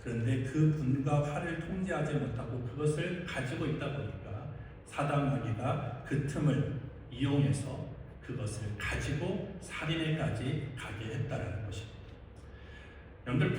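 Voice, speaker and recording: A man's voice: fairly high pitch, darkish tone. A male pastor preaching a sermon to his congregation, often putting questions to them and answering them himself. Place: large church sanctuary. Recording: echoey hall, distant mic, faint noise.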